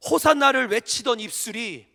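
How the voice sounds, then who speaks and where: A male pastor preaches with a very high, bright, lively voice that leaps between quiet asides and shouted peaks. He asks his congregation question after question. His words ring out through a church hall with a long, echoing reverb. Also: moderate pace, vocal fry. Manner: impassioned, swings from hushed asides to shouted peaks. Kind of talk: sermon. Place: church hall during a youth service.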